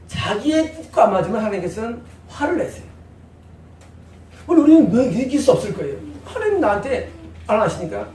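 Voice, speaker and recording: A male pastor preaching an expository sermon, swinging between loud emphatic questions and hushed, quiet prayer. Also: very high-pitched. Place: church hall. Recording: echoey hall, distant mic, faint noise.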